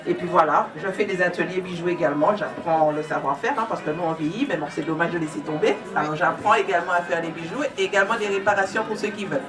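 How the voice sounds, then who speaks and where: A woman's voice: fairly low pitch, fast, hardly any pauses. A middle-aged woman from Martinique presenting handmade jewelry, chatty and laughing often. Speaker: jewelry maker. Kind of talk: exhibitor introduction. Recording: distant mic in crowded fair.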